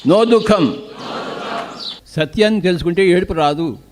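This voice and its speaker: A man preaching a spiritual discourse in a fairly high-pitched voice. He speaks emphatically and drives his points home by asking rhetorical questions and answering them himself. Faint bird calls and outdoor sounds drift in behind him. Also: a little slow, background noise. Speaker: spiritual teacher.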